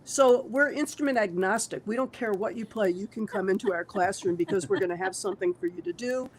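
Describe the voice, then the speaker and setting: A woman music teacher with a froggy, hoarse voice from a cold, chatting easygoingly on a video call. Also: medium pitch, a little fast, rough recording. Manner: easygoing, thinks aloud with fillers. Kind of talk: casual roundtable chat.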